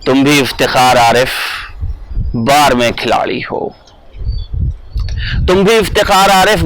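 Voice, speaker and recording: A man with a Pakistani accent presenting in a theatrical, emphatic and deliberate way, like a dramatic poetry reader. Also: fairly high pitch, fairly bright tone, slight background noise, poor audio.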